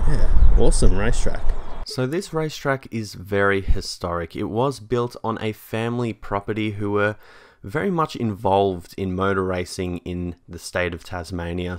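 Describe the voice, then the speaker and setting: A man's voice: on the low side, no room sound, studio quality. Chatty young man vlogging outdoors. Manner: chatty, enthusiastic, many ums and likes. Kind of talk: casual vlog commentary. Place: outdoors at a racetrack.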